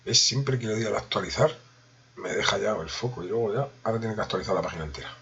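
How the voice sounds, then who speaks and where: A man's voice: fairly low pitch, expressive, fast, fairly bright tone, husky, highs cut off. A man with a Spain Spanish accent giving a joking running commentary to himself during a casual live coding stream.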